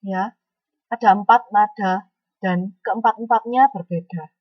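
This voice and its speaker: A woman's voice: medium pitch, unhurried, no room sound, highs cut off. A woman teaching a Mandarin lesson online, speaking patiently and often adding a questioning "ya".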